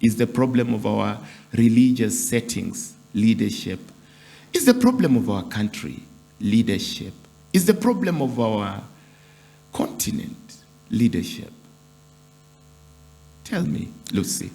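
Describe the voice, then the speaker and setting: A man's voice: lowish voice, sing-song, unhurried, vocal fry, long pauses, dark tone, husky, faint music behind. A man hosting a talk show, playful and teasing, laughing often as he chats. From Kenya. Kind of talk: casual studio chat.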